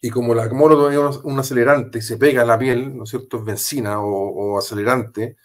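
A man with a Chilean accent tells a story as an interview guest, in a middle-pitched voice. He talks emphatically, repeats his phrases and uses casual slang. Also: steady tone, brisk. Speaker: interview guest, former police officer.

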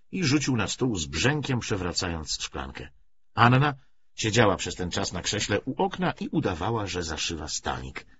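Low-voiced, animated male audiobook narrator. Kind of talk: expressive scripted narration of a novel. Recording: dull sound with faint noise.

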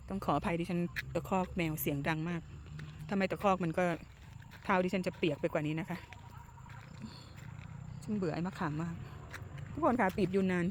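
A woman's voice: fairly low pitch, moderate pace, pauses often, slight background noise. A middle-aged woman from Thailand hosting a casual garden vlog, chatting to viewers and asking them questions as she walks through her garden outdoors. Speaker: garden vlogger.

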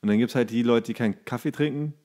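A man co-hosts a relaxed conversational podcast. His voice sits at a medium pitch. He talks colloquially, with a joking, anecdotal way of putting things. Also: quick pace. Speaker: podcast co-host. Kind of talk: casual chat about food with a friend.

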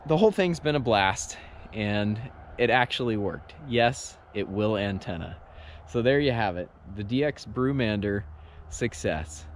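A man's voice: fairly low pitch, animated, unhurried. An American man in his thirties talking casually outdoors as a ham radio operator, on a camera mic. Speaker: amateur radio operator and vlogger. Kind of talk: casual vlog talk and radio contacts. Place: open grassy yard outdoors. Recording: outdoor noise, faint vehicle sounds.

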